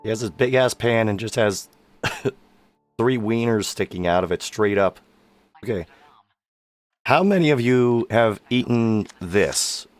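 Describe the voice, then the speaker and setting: A man's voice: fairly low pitch, expressive, unhurried, long pauses, dry recording, soft background music. A man giving casual live-stream game commentary, his voice worn from sickness and hours of streaming. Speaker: streamer, amateur voice actor.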